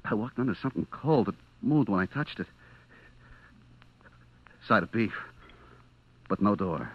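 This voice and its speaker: An actor playing a desperate supermarket clerk trapped in the dark, confessing in halting, stammering old-time radio suspense style on a vintage recording. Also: male voice, lowish voice, expressive, muffled recording. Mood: tense dread. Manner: breathless, halting, stammering narration with repetitions.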